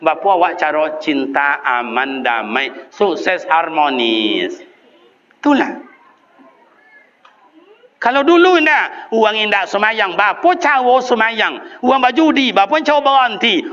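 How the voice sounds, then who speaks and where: A man with a Kampar Minang Malay accent preaching a lively sermon in a mosque, chanting lists and imitating sounds and calls. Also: high voice, lo-fi sound, slight background noise. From Riau, Indonesia.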